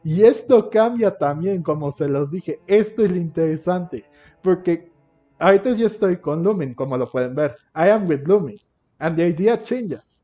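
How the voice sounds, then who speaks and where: A man with a Hispanic Spanish accent gives casual game commentary, speaking in a halting way and often rephrasing himself. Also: sits high, expressive, warm tone. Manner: halting, repeats and rephrases himself, switches languages. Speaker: gameplay commentator. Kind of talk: casual game commentary explaining story dialogue. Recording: dull lo-fi mic over game music. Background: game music.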